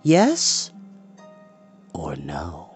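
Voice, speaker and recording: A cruel brigand boss from a fantasy storybook, acted by a male narrator. He taunts in a drawn-out, theatrical way, his pitch swooping widely, over music. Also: wildly swooping pitch, husky, heavily acted. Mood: goading. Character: cruel, mocking male brigand leader, cocky and menacing.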